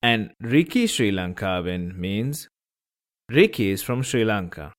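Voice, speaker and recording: Slow, patient male language teacher. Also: on the low side, very animated. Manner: patient, repeats examples slowly; breaks words into syllables. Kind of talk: podcast language lesson.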